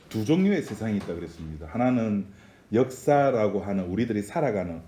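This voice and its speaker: A man's voice: on the low side, warm tone, reverberant. A man preaching a sermon in a conversational style, often asking the congregation questions. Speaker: pastor.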